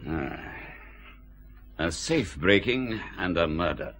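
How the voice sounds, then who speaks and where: An actor playing a weary, sardonic senior police chief in a radio drama, grumbling with dry authority. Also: male voice, deep voice, very animated, slow, a bit bright, heavily acted. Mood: stern. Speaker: head of CID, senior police officer.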